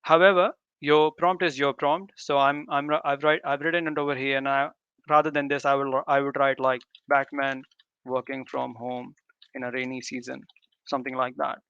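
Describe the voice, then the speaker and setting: A man's voice: medium pitch, flat delivery, normal speed, fairly bright tone, smooth, no room sound, muffled recording. A man whose native language is Urdu gives an informal live tech demo, often repeating and rephrasing himself. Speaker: tech presenter. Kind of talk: live demo talk to developers.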